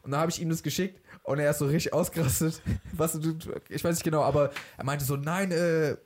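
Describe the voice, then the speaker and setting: Young male podcast co-host, easygoing, slightly high voice, faint background hiss. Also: fairly even intonation, brisk, darkish tone. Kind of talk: casual podcast chat.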